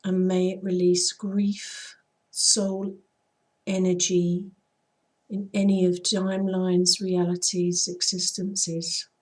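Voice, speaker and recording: A woman with a husky, throaty voice, hoarse after being ill, who talks softly and without hurry. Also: on the low side, completely flat delivery, poor audio. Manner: soft, unhurried, intoning. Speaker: spiritual healer. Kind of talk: slow chanted healing invocation; casual chat to viewers.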